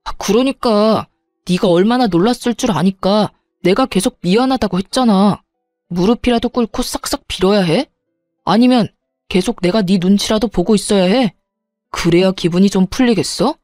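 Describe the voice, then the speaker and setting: Brief: a woman playing a defensive young fiancé, mellow dragging delivery, dry and close. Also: medium pitch, moderate pace, no room sound, soft background music, lightly acted. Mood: irritated. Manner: sulky, dismissive, sneering.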